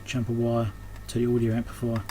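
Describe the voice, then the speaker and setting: Speaking briskly in a warm, monotone, medium-pitched voice, a man who repairs electronics and hosts videos narrates his hands-on work casually and without a script. He thinks out loud and often drifts off mid-thought at his indoor workbench. Background noise and room ambience come through clearly.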